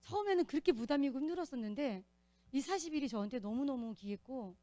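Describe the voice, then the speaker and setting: A woman giving an earnest, animated testimony as a church deacon, telling her story in a church. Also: sits high, fast, no echo.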